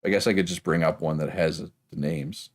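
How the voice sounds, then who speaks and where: A man's voice: low voice, fairly even intonation, a little fast. A man with a Prince Edward Island Canadian accent chatting casually to viewers on a game livestream in a rambling way. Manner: rambling, often checks with "right?".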